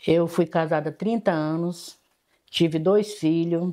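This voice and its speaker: On a very clean recording with a silent background, a woman speaks at a fairly slow pace. Her fairly low voice has a dark, mellow tone and ordinary pitch variation. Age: 60s. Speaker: local resident interviewed in documentary. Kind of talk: testimony.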